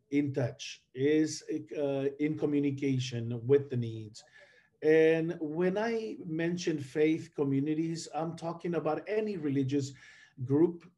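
Halting man speaking on a video call. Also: a little high, dark tone. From Dominican Republic. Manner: halting, many fillers and restarts. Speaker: conference panelist. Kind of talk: online conference presentation.

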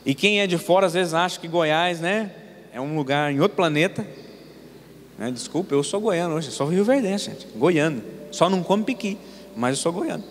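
A man's voice: on the high side, expressive, moderate pace, slight background noise. A man in his twenties from Paraná, Brazil, preaching a sermon as pastor, telling stories and asking the congregation rhetorical questions. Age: 20s. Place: church sanctuary. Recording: long church reverb, faint room ambience.

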